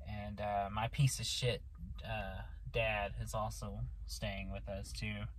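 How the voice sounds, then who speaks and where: Vocal fry with very wide pitch swings. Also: man. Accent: American. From Oklahoma. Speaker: vlogger. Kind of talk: casual vlog monologue. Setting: in a parked car at night. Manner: halting, many fillers and restarts.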